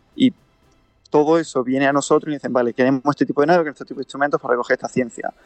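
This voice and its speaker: In a dry, close recording with no echo, a man talks very fast with fairly even intonation. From Spain, Linares (Jaén), Andalusia. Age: 20s. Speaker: aerospace engineer. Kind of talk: interview.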